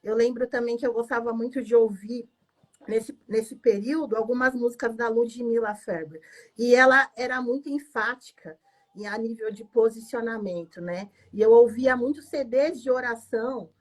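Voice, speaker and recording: A woman's voice: fairly high pitch, normal speed. A woman pastor tells her personal testimony in an emotional, emphatic way, often adding "né?". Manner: emotional, emphatic storytelling with frequent "né?".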